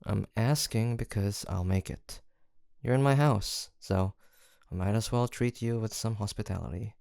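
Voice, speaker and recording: Low, creaky young best friend, acted by a man. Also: moderate pace, no echo. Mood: easygoing banter. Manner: casual, playful, murmured hesitations and soft laughs. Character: male college-aged best friend, teasing, softly affectionate. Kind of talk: intimate audio roleplay acting.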